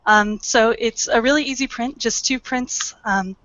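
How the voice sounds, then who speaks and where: A woman's voice: on the high side, unhurried, a bit bright, dry recording, highs cut off. A woman guest showing off her project over a video call, talking hesitantly with frequent "um"s. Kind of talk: casual explanation.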